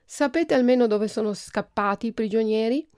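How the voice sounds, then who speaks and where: A woman's voice: a little high, normal speed, darkish tone, smooth, no room sound, clean studio sound, lightly acted. A woman voicing a cruel, mocking prince. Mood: menacing. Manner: mocking, menacing. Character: cruel, gleeful prince, a man.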